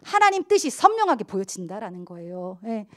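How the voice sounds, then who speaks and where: A middle-aged woman pastor preaching a youth sermon, animated, acting out the voices of children and church members as she goes. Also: mid-range voice, fairly quick.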